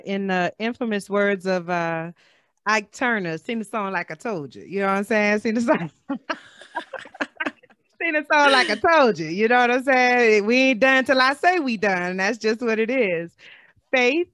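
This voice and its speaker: Relaxed woman moderator, dry sound. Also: mid-range voice, a little slow, dry recording. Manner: relaxed, affirming, colloquial. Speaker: panel moderator. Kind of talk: casual panel chat.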